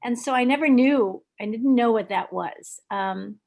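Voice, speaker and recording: An older woman from Hawaii, speaking in a meeting with many pauses, ums and restarts. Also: on the high side, creaky, a little mellow. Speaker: club member at a video meeting. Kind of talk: hesitant casual remarks.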